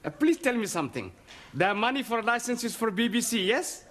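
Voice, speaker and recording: An actor playing a cheeky, literal-minded South Asian student in a sitcom, speaking accented broken English with quaint British slang. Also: male voice, very high voice, very animated, brisk, fairly bright tone, exaggerated voice. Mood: earnest, cheeky. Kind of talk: television sitcom acting.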